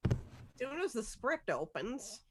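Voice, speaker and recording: A woman's voice: fairly high pitch, a little slow, background noise. A woman chatting casually and playfully as she hands out parts for a group script read on a video call. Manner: playful, excitable, casually sweary. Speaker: organizer of an online script table read.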